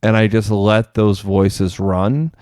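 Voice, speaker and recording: A man's voice: lowish voice, little pitch movement, slow pace, a little mellow, no room sound, clean studio sound. A man co-hosting a podcast as a mental health professional, speaking candidly and self-deprecatingly, thinking aloud with fillers. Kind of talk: casual podcast conversation.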